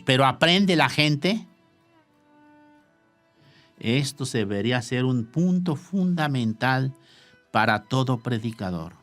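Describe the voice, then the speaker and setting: A male preacher delivering a sermon with emphatic, expressive phrasing. His pitch sits mid-range but swings widely. Soft instrumental music plays behind him.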